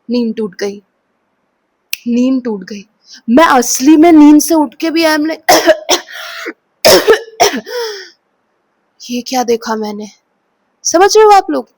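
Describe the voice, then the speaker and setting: Brief: woman vlogger, high voice, dry close sound, dramatic storytelling, drops in English phrases. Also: no echo. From Kolkata, India. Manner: dramatic, expressive retelling of a dream. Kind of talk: storytelling vlog.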